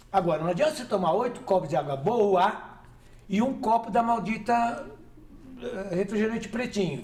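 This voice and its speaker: Lively in intonation, a man with a high pitch talks at a moderate pace over noticeable background noise. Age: 70s. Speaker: naturopath and clinical nutritionist. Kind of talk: interview answer.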